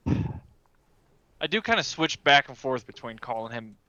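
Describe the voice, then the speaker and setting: A man's voice: medium pitch, big pitch swings, measured pace, pushed and bright, no echo, highs cut off. A man in casual banter as a player on a tabletop roleplay podcast.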